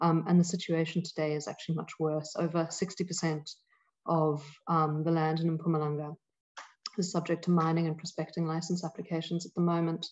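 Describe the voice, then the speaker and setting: A woman's fairly low, monotone voice with flat intonation against a quiet background. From South Africa. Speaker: legal scholar and keynote speaker; keynote speaker. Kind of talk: keynote lecture. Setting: online video conference. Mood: earnest, grave. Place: home room. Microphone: webcam.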